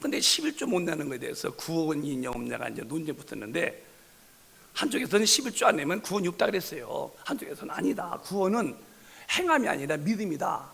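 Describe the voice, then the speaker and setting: A male pastor preaching a sermon, telling a story with lively acted-out dialogue and shouted lines for emphasis. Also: a little high, fast, gravelly, slightly rough, in a large hall.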